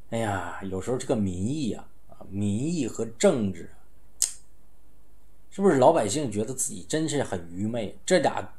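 A man's voice: fairly low pitch, darkish tone. Middle-aged man, wry informal commentator. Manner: conversational, wry, with rhetorical questions and sighs. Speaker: host of a political commentary show. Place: small indoor room, seated.

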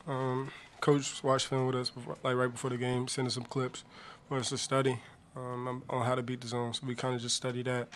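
A young man, a college basketball player, answering postgame press questions softly and with many hesitant pauses, at a table mic in a press room. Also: mid-range voice, monotone, a little hiss or hum. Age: young adult. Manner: soft-spoken, many hesitant ums. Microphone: table mic on stand.

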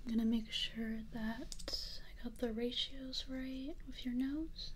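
A young woman in her twenties doing a whispered role-play as a face clinic worker, speaking softly, gently and reassuringly from a small bedroom. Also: fairly high pitch, fairly even intonation, slow, a little hiss or hum. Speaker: ASMR artist.

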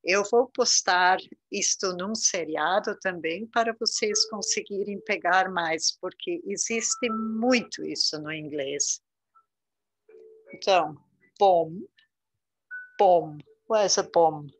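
A woman from southern Brazil with a gaúcho Brazilian Portuguese accent gives a casual beginner English lesson in a lowish voice, captured on a low-quality recording. She speaks slowly and patiently, repeating each word so learners can practice pronunciation.

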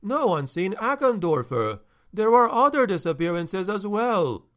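A man's voice: high-pitched, sing-song, fairly bright tone, voice pushed up, heavily acted. A man reading a story aloud, voicing an anxious male steward who talks in a shaky, pleading way. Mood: agitated. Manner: shaky, agitated, slow and pleading.

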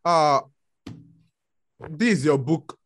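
A man with a Nigerian accent hosting a podcast interview, speaking haltingly with many restarts and fillers. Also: fairly high pitch, expressive. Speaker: podcast host.

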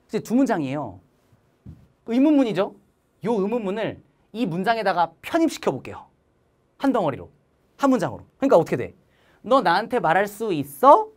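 A woman giving a lively online grammar lesson, teaching in an animated, playful way with sing-song cues to her students. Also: mid-range voice.

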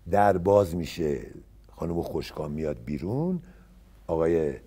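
An Iranian man in his seventies reminisces as a guest in a relaxed interview, bringing his stories to life by acting out other people's lines. His voice is very deep and dark, with a husky edge. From Iran. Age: 70s. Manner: animated storyteller who acts out others' words. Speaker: guest actor.

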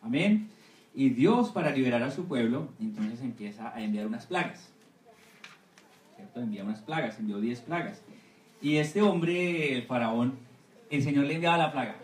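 A missionary pastor giving a Sunday school sermon, often asking the congregation for agreement with amen and right. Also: male voice, medium pitch, expressive, normal speed, far from the mic. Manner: asks the congregation for assent, repeating amen and right. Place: church hall. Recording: echoey room, voice from off-mic.

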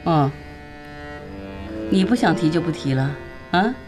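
A woman's voice: low voice, animated, a little slow, music in the background. A nagging, scolding mother. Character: bossy, scolding middle-aged mother, quick-tempered. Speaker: mother and grandmother. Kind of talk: TV drama acting.

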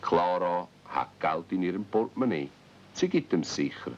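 A man's voice: sits low, lively intonation, moderate pace, darkish tone. A man with a Swiss accent narrating a children's radio play as a storyteller. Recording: dull, faintly noisy old cassette recording.

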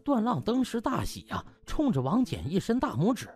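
A man's voice: high voice, wildly swooping pitch, normal speed, darkish tone. A man narrating an audiobook as a colloquial, dramatic storyteller. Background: faint music.

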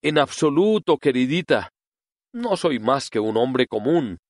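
A quavering, timid little old wizard, as a male storyteller puts him on, pitched above the reader's own voice and swinging widely in tone. He pleads and excuses himself humbly, a fraud caught out in an audiobook story. The sound is close and dry. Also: sing-song, measured pace, dry recording. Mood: trembling pleading. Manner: trembling, pleading voice.

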